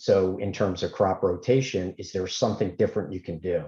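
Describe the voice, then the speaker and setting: Somewhat breathy and fairly low-pitched, a man with an East Coast US accent speaks at a moderate pace. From US East Coast. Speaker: agricultural finance economist. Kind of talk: interview.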